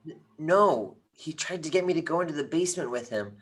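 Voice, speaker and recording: A performer plays an earnest teenage boy who quietly leads his friends. He speaks hesitantly at a medium pitch and catches on words with a slight stammer, as in a script read. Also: animated, brisk, breathy edge. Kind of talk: script read at a virtual table read.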